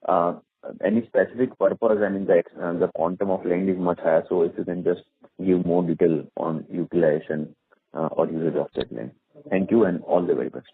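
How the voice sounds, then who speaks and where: A man asking follow-up questions on an earnings call, halting with many fillers. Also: low voice, fairly even intonation. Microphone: phone line. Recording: husky tinny phone line.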